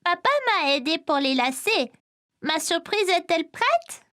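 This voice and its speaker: A very high, childlike preschool boy, speaks with lively swings and an unhurried pace. He is eager and excitable in cartoon style, over children's music. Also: heavily acted. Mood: earnest, cheerful. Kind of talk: French-dubbed children's cartoon acting. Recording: music behind the voice.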